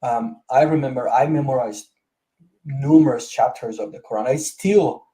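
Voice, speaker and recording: A man with a very dark, mellow timbre interviews a guest. He asks hesitant, searching questions at a middle pitch and murmurs often as he listens. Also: normal speed, poor audio. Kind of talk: conversational interview.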